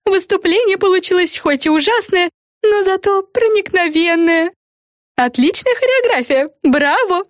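A woman's voice: very high-pitched, expressive, moderate pace, no room sound, studio quality, voice pushed up. A woman voicing a blunt, tactless fairy with a snippy, matter-of-fact manner.

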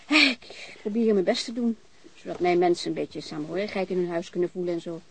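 An actress playing a blunt, warm-hearted, talkative landlady in a naturalistic radio drama, informal and frank. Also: lowish voice, brisk, vocal fry, slight background noise. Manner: informal, chatty, frank, mild swearing.

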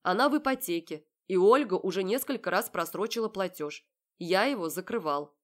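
A woman reading the part of a calm, serious young man who speaks slowly and evenly in an audiobook. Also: mid-range voice, lightly acted. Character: calm, self-assured young man kidnapping his fiancée's sister.

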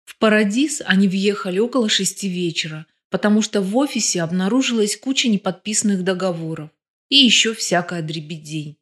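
Woman audiobook narrator, steady expressive read of a crime novel. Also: medium pitch, brisk.

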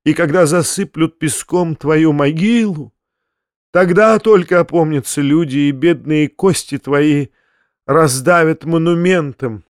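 A man voicing a feverish, self-pitying man who declaims in slow wails and shouted questions, in an audiobook. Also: fairly high pitch, dry recording, studio quality, natural voice. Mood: wailing, hysterical. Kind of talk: audiobook character reading.

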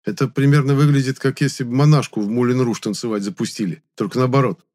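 A man voicing a sharp-tongued young male hero who talks bluntly and scolds. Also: medium pitch, steady tone, fast talker, pitched above the performer's own voice, natural voice. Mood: wry.

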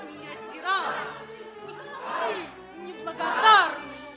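An actress playing a proud, jealous, despairing enslaved princess, declaiming slowly and grandly in a theatrical 1960s radio production. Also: female voice, extremely high pitch, expressive, music in the background, crowd noise, exaggerated voice. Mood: desperate, jealous. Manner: slow, impassioned, grandly tragic. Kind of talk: theatrical declamation in a classic stage play.

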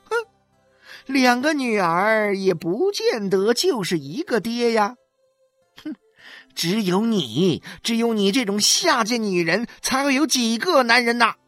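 A woman's voice: animated, a bit bright, no echo, soft background music. A woman voicing a furious, boastful wife who shrilly scolds the neighbours in a storybook. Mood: sneering. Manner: shrill, scolding, drawn-out emphasis.

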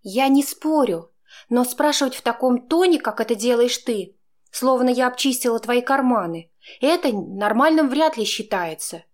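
Женщина играет вспыльчивую молодую девушку. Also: female voice, on the high side, expressive, voice pushed up, close to an everyday voice. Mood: indignant. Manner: indignant, quick to flare up. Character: young woman, heated, defensive girlfriend.

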